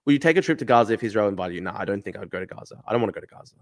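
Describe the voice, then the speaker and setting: A man's voice: on the low side, lively intonation, very fast. A young man hosting a casual livestream, answering chat bluntly, swearing and repeating himself. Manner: blunt, argumentative, swears freely, repeats phrases. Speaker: livestream host reading chat.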